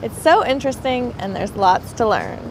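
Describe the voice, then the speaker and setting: A woman gives an enthusiastic street interview outdoors in a city. Her voice is fairly high, and faint traffic can be heard behind her. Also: sing-song, normal speed, creaky, poor audio. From Quebec, Canada. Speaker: tourist being interviewed.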